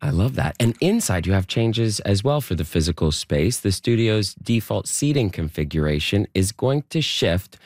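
A man's voice: fairly low pitch, very animated, normal speed, hardly any pauses, a little mellow, no echo, studio quality. A male radio host interviewing a guest in a friendly, playful way. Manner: friendly, playful, laughs along.

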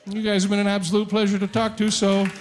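A man's voice: high voice, monotone, fast, a little hiss or hum. A man doing a stand-up comedy set, acting out both sides of an exchange. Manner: acts out both sides of a dialogue.

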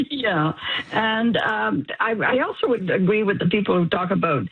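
Breathy woman in her eighties on phone. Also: medium pitch, animated, moderate pace, dry recording. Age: 80s. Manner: cheerful, laughs while talking. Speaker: caller. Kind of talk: phone-in call to a radio show. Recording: tinny phone line.

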